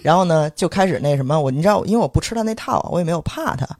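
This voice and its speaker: A woman from Beijing with a Beijing accent, hosting a casual podcast chat and telling stories in a blunt, animated, swearing way. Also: low voice, rapid-fire, no echo, clean studio sound.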